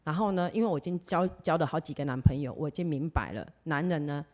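Woman, low pitch, earnest testimony, acts out dialogue. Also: quick pace, a little mellow. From Taiwan. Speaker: church member giving testimony. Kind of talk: personal testimony.

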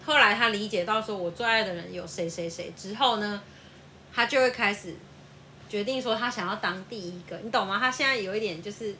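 A woman, a mother of a young child, chatting casually and telling lively family stories, often laughing and acting out voices. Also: mid-range voice, fairly quick, slight background noise. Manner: animated storyteller, acts out child's voice, laughs often. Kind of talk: casual chat.

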